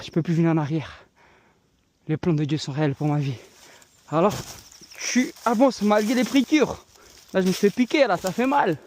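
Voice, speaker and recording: Filmed on a handheld phone, a man walks and climbs a hillside trail outdoors, vlogging as an evangelist who exhorts his viewers as friends in a preaching style. His voice is high and a little mellow, with a slight hiss or hum in the recording.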